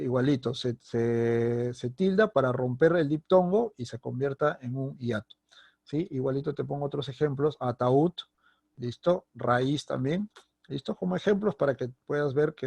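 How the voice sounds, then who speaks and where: Man teaching, slightly high voice. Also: gravelly, dark tone, no echo. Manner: explanatory, checks in with a frequent "¿listo?"; speaks directly to the student, stressing example words. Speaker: secondary school language teacher. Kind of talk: recorded grammar lesson.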